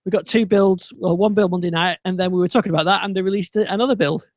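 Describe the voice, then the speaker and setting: High-voiced man hosting. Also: fast talker, no echo, clean studio sound. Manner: meandering, many ums and restarts. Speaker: podcast host. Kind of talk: casual tech chat.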